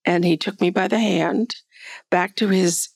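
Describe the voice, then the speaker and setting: A woman guest in an interview, telling a lively, candid story with frequent laughter. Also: lowish voice, a little slow, creaky, dry recording.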